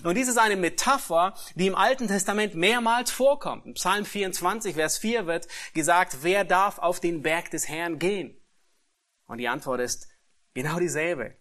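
Emphatic German preacher, slightly high voice. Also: male voice, fairly bright tone. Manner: emphatic, slows and rises on key phrases; repeats words while searching. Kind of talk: expository sermon.

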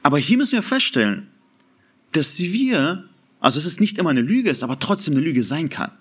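A man preaching a sermon in an earnest, emphatic way, slowing down to stress key words. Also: a little high, sing-song, a bit bright, slightly rough.

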